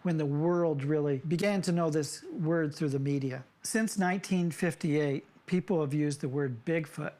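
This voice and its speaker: A man's voice: fairly high pitch, normal speed, hardly any pauses, darkish tone. A man explaining conversationally as an expert in a documentary interview.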